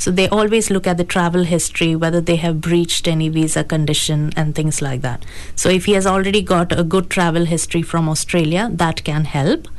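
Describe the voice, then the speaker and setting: Over noticeable background noise, a woman speaks at a fairly quick pace. Her pitch is fairly low and her intonation fairly even. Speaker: immigration adviser. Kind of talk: interview.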